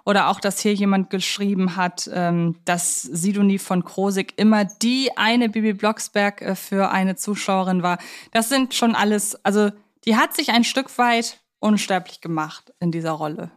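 A woman co-hosting a podcast, talking through films in a reflective, halting way with long winding sentences. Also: mid-range voice. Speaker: podcast co-host. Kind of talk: conversational film discussion.

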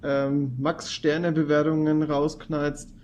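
A man's voice: a little high, little pitch movement, slow pace, darkish tone. A man co-hosting a casual podcast chat, hesitant and full of fillers. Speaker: podcast co-host.

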